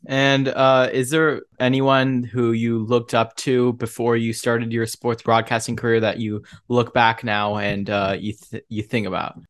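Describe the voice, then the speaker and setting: A man's voice: medium pitch, level tone, measured pace, few pauses, no room sound, clean studio sound. A young man, a student, asking a radio host polite, slightly hesitant interview questions.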